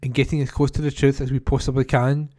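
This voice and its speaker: A man reading a newspaper report aloud in an even, plain way, with small restarts. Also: medium pitch, fast talker, dry recording. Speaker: newspaper article reader. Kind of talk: read-aloud news report.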